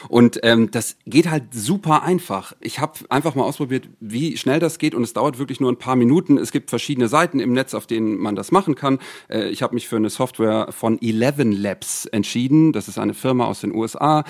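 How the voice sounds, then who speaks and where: Male correspondent, relaxed podcast explainer, loose and unscripted, mid pitch. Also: a little fast, few pauses. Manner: relaxed, with many fillers and restarts. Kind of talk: casual explaining.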